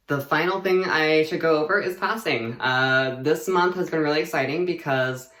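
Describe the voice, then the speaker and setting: A man's voice: a little high, normal speed, pushed and bright. A young man vlogging a casual personal update, rambling and chatty with lots of fillers and easy laughter. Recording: echoey room.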